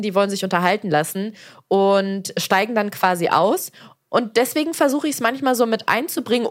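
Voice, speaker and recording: Chatty woman, reflective podcast guest. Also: medium pitch. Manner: chatty, reflective, laughs easily. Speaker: podcast guest, presenter and comedian. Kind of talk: casual interview talk.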